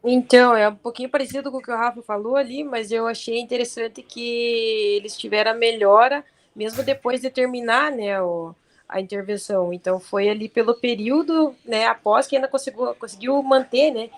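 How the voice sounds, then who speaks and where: A woman's voice: fairly high pitch, steady tone, brisk. A woman with a Brazilian Portuguese accent making a casual comment in a study group, speaking into a phone. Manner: casual, informal. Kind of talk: discussion comment.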